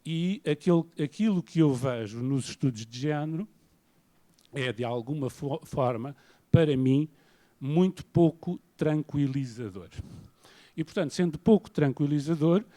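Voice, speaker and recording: A man from Portugal with a European Portuguese accent, giving an academic lecture in a measured, self-deprecating way. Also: fairly high pitch, dark tone. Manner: measured, self-deprecating, paces around while speaking. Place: lecture hall.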